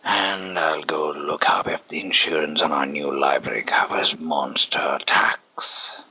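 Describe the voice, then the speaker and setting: A dry, fussy library creature in a comic audio play. The voice is extremely low and badly husky, with a hard bright edge. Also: male voice, fairly even intonation, unhurried, heavily acted. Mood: dry, weary. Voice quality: very deep, husky, breathy. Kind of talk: comic audio drama acting.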